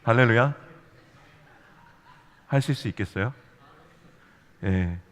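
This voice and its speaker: A man's voice: mid-range voice, slow pace. A man preaching a sermon as youth pastor, playful and storytelling, full of rhetorical questions to the congregation. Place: church sanctuary. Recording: long hall reverb.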